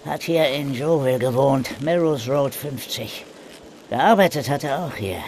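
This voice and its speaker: Informant, male actor: cocky, greedy, mocking haggler for crime audio drama, mid-pitched, faint ambient noise. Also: unhurried, darkish tone, lightly acted. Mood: smug, businesslike. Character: sly, greedy male police informant nicknamed the Magpie. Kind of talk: German crime radio play acting.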